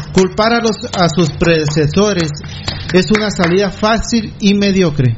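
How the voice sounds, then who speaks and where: Noticeable background noise runs under a voice with very even loudness, ordinary pitch variation and a fairly slow pace. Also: man, high pitch for a man. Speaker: radio panelist. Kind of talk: heated radio discussion.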